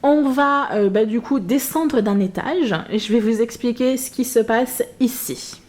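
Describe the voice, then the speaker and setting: Filmed on a built-in camera mic, a woman talks to camera from her home craft room as a craft vlogger, wandering through her thoughts with frequent hesitations and poking fun at herself. She speaks at a measured pace in a fairly high, slightly mellow voice.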